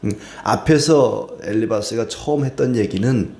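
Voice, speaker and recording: A man's voice: mid-range voice, normal speed, creaky, warm tone. A man preaching a Bible study sermon in a conversational way, with frequent filler sounds. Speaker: pastor. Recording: roomy echo.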